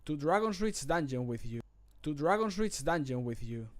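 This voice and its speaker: A man's voice: a little high, very animated, moderate pace. Man acting as a stern fantasy guard. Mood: commanding. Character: stern, authoritative fantasy city guard making an arrest.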